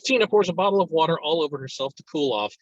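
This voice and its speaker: A man narrating stage directions in a lively way at a screenplay table read. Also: on the high side, fast, dry recording. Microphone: video call. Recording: dull lo-fi video call audio.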